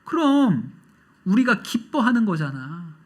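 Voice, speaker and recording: A man's voice: high-pitched, sing-song, measured pace, voice pushed up, exaggerated voice. A man voicing a cheeky eight-year-old girl who answers in pert, matter-of-fact retorts, quoted during a sermon.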